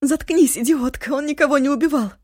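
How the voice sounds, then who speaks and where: A woman voicing a timid, anxious young woman who speaks cautiously and sometimes breaks into shouts. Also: mid-range voice, moderate pace, breathy edge, no echo, clean studio sound, pitched above the performer's own voice, close to an everyday voice. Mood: shouting.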